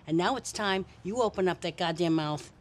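An actress playing a brash, foul-mouthed tough cop with a blunt, intimidating manner in a comedy film. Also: female voice, on the low side, fairly quick, slight background noise, lightly acted. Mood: intimidating, sarcastic. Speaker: police detective.

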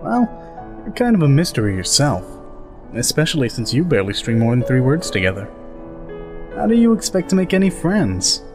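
A man's voice: medium pitch, wildly swooping pitch, fairly quick, music in the background. A man playing a chatty, joking, easygoing male soldier in a fan dub of a game scene. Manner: chatty, joking, laughs easily. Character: easygoing, rambling older male soldier, goofy.

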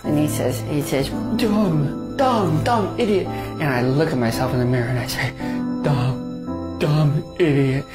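A woman's voice: low voice, unhurried, over loud music. A woman playing a whiny, wounded, insecure complainer. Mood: hurt, whiny.

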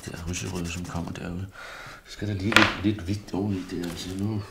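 Artist, male, low gravelly voice, rambles and mutters to himself while drawing. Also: fairly even intonation, heavy background noise. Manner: rambling, self-murmuring, often drops to a near mutter. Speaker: artist demonstrating pastel drawing. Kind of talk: thinking aloud while drawing.

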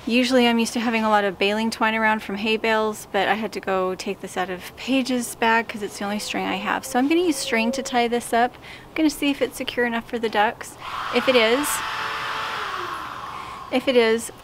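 Outdoors in a small backyard, a homesteading vlogger in her thirties holds the camera at arm's length and explains her building work in a casual, practical how-to vlog. Her voice is on the high side, fairly even and a little fast, with slight background noise.

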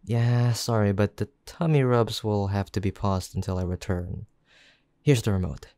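A man playing a caring, gently teasing young boyfriend in an intimate, affectionate roleplay, speaking softly and unhurriedly. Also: on the low side, fairly even intonation, normal speed, no echo, clean studio sound, lightly acted. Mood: gentle, caring. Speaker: voice actor in boyfriend roleplay audio.

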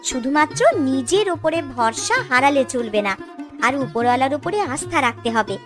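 A woman voices a forgiving cartoon village wife. Her voice is extremely high and her manner soothing and reassuring, with music behind her. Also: expressive, moderate pace. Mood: reassuring, gentle. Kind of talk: melodramatic cartoon dialogue.

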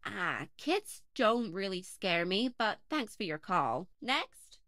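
A woman's voice: mid-range voice, sing-song, takes it slowly, fairly bright tone, no echo. Dry, chatty woman podcast host. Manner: chatty, wry, dismissive of suggestions. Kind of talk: audio play acting.

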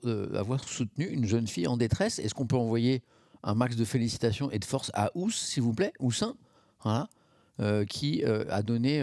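Gravelly, chatty man streaming. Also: medium pitch, a little mellow, no echo, studio quality. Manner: chatty, self-mocking, reacting to chat messages. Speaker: streamer reading chat. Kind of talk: casual live-stream chat.

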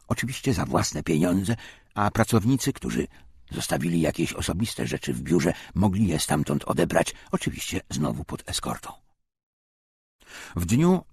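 A man reading a scripted documentary memoir as an audiobook narrator, with measured, formal and dramatic delivery. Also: low voice, creaky, a little mellow, breathy edge, no room sound.

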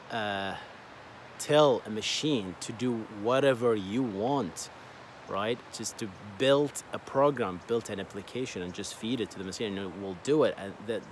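Speaking in a lowish voice over a faint hiss or hum, a Bahraini man in his thirties whose first language is Arabic tells his story in a casual vlog. He rambles, using lots of fillers and repeating words. He films himself outdoors by a lake, holding his phone at arm's length.

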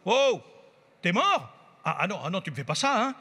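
A bossy, insolent little girl, as a man reads her out from his play snaps and mocks in a high, bright voice. She scolds loudly and breaks into sudden shouts. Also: sing-song, normal speed, slightly rough, in a large hall, full character voice. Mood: indignant. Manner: mocking, bossy, bursts into shouts. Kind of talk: author reading his own play aloud.

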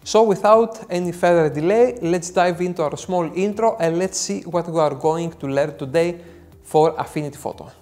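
A young man speaks English with a clear Greek accent, walking through a software tutorial one step at a time. He sounds earnest and explanatory, often pausing with a quick "uh" before going on. He is recorded in a dark indoor studio. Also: on the high side. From Greece. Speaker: photo editing tutor.

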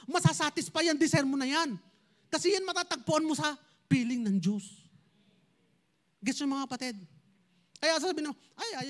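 Male pastor, strikingly high voice, preaches straight at the congregation, flips between languages. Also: a bit bright. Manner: switches between Tagalog and English, addresses congregation directly. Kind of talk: sermon.

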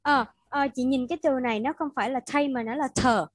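A woman's voice: high-pitched, fast, dry recording, low-quality recording. A woman with a Vietnamese accent tutoring English pronunciation online, patiently modeling words and repeating them for her student.

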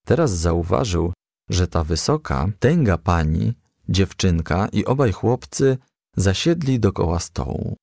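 Gravelly low-voiced man reading a children's story. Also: lively intonation, unhurried, a little mellow, no room sound, clean studio sound. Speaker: audiobook reader.

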